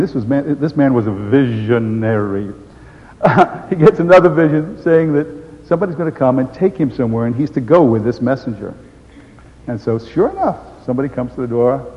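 An older man giving an animated storytelling testimony, acting out the voices he quotes. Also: mid-range voice. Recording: dull sound with long hall reverb.

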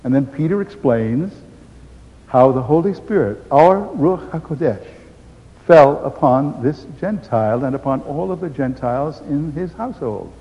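An older man tells his testimony as a lively storyteller, acting out the people he quotes. His voice sits a little high for a man. It comes through dull, with a long reverb from a big hall. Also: measured pace. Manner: animated storyteller who acts out quoted voices. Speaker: speaker giving a testimony.

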